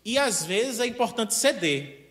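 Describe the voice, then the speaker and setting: A man with a Brazilian accent giving a spiritist lecture in an animated, conversational way, with frequent questions to the audience. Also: high voice, measured pace.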